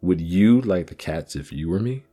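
A man's voice: sits low, animated, takes it slowly, a little mellow, breathy edge, faint music behind, full character voice. A man voicing a touchy, easily offended mouse who speaks with passionate indignation. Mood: indignant.

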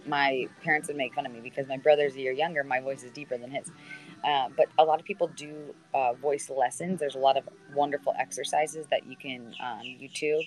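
A woman in her thirties with a naturally deep voice, a sideline reporter chatting on a video call, sprinkling her answers with ums and restarts. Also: steady tone, fairly quick, soft background music, rough recording. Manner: conversational, lots of fillers and restarts. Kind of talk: answering student questions on a call.

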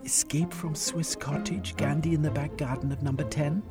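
A man playing a blustering pompous gentleman. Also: on the high side, steady tone, normal speed, music in the background, pitched above the performer's own voice, lightly acted. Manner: blustering, indignant speeches. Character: pompous self-important middle-aged gentleman.

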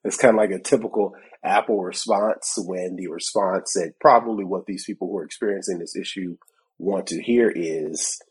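A man's voice: sits low, moderate pace, slightly rough, low-quality recording. A man co-hosting a tech podcast in casual chat, a bit congested from a cold, who laughs often and acts out both sides of conversations. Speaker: podcast co-host.

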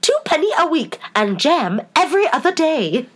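Woman voicing the fretful White Queen, swooping high. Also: big pitch swings. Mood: insistent. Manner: groaning, sighing, drawn-out emphatic phrases. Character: fretful, untidy, scatterbrained White Queen of storybook fantasy.

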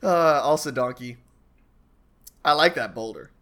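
A man's voice: fairly high pitch, measured pace, a bit bright. A young man hosting a casual comedy podcast, swearing casually and laughing as he reads quotes. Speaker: podcast host.

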